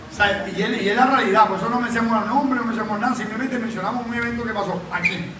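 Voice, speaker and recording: High-voiced, fast pastor. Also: male voice, crowd noise. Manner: animated, acts out quotes. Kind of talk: Bible study teaching. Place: church. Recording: echoey church hall, mic at a distance.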